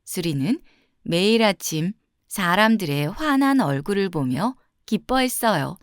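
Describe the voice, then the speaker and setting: A woman storyteller narrating a children's fairy tale from a script, with expressive, carefully phrased delivery. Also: medium pitch, unhurried, no room sound, clean studio sound.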